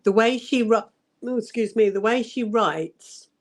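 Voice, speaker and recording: A woman guest talks books in a relaxed, unhurried way, pausing to find the right word. She laughs easily and speaks at a slow, easy pace. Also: on the high side. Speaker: guest co-host. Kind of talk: casual livestream book chat.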